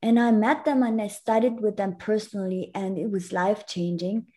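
A woman's voice: mid-range voice, steady tone, moderate pace, dark tone. A woman from Italy whose first language is German, a guest in an interview, talking earnestly and explaining things with frequent restarts. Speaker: guest educator. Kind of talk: conversational interview.

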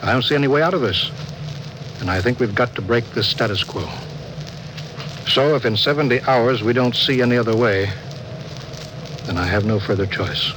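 An actor playing a stern, weary starship captain who gives clipped, commanding orders in a 1950s radio drama. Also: male voice, medium pitch, normal speed, pauses often, natural voice. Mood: grim. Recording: hissy old radio broadcast.

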